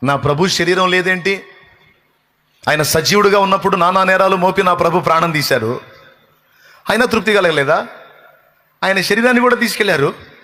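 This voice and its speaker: Grieving devoted young woman pleading in repeated laments, voiced by a male preacher, bright tone, hall echo. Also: high voice, normal speed, pauses often, pitched above the performer's own voice.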